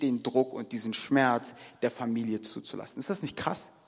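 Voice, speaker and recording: A man with an unremarkable speaking voice and medium pitch speaks at a moderate pace. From Frankfurt, Germany. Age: 30s. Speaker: pastor. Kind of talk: sermon. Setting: church.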